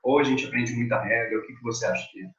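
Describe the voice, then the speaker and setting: A man's voice: medium pitch, fairly even intonation, quick pace, fairly bright tone, roomy sound, highs cut off. Brazilian man interviewing over a video call. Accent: Brazilian Portuguese. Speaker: interviewer, channel host.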